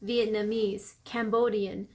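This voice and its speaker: A woman's voice: medium pitch, flat delivery, slow, darkish tone. A woman performing a scripted explanatory monologue in a reader's theater style.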